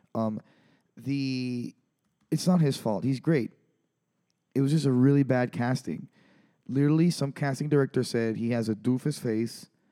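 The voice has a dark, mellow tone and ordinary pitch variation, with long, frequent pauses. The recording is very clean, with a silent background. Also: man, medium pitch for a man, moderate pace. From Puerto Rico. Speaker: podcast co-host. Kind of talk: casual chat. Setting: home studio.

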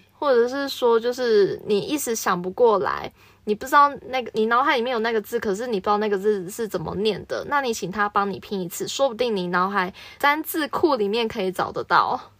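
Using a normal speaking voice, a woman talks at a moderate pace with lively intonation and a fairly high pitch. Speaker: working holiday backpacker, podcast co-host. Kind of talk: casual chat.

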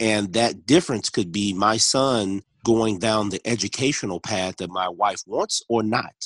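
In an American accent, a man talks at a fairly low pitch in an unremarkable speaking voice. The sound is dry and close with no echo, and the background is quiet. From Texas, Dallas. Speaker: career coach and speaker. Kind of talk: interview. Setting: live stream.

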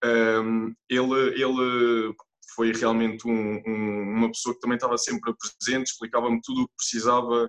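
At a moderate pace and medium pitch, a man speaks in a monotone, flat intonation, his loudness swinging widely in a dry, close sound with no echo. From Portugal, Proença Nova area (Beira Baixa). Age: 20s. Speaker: young winemaker. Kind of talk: casual interview. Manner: halting, many repetitions.

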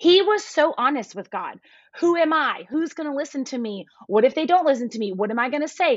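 A woman speaks at a high pitch and a fairly quick pace. Her voice makes very wide pitch swings and big swings in loudness. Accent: American. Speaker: preacher and speaking coach. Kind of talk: casual interview chat.

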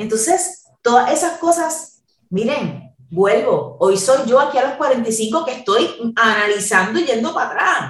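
A woman's high voice moves at a fairly slow pace while her pitch swings very widely. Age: 40s. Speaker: researcher on weight stigma. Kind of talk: casual interview. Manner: animated.

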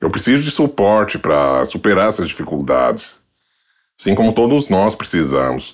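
Speaking at a moderate pace with vocal fry, a man with a fairly low pitch swings very widely in pitch while keeping his loudness very even. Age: 40s. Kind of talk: interview.

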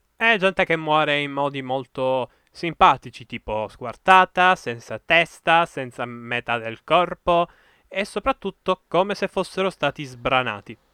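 This man's voice is bright and sharp, fairly high in pitch, with very wide pitch swings. He talks at a fairly slow pace, and the sound is dry and close with no echo. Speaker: podcast host, video game reviewer. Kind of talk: casual solo podcast monologue. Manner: animated, hyperbolic.

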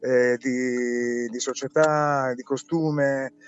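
The man's pitch is fairly high. His intonation is monotone and flat. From Italy, Forlì (Romagna). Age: 60s. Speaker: radio presenter. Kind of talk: interview. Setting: phone call.

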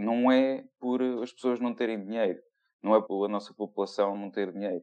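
With an unremarkable speaking voice, a man talks fairly quickly at a fairly low pitch and with fairly even intonation. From Portugal, Beira Alta (rural). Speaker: veterinary anaesthetist. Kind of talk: casual interview.

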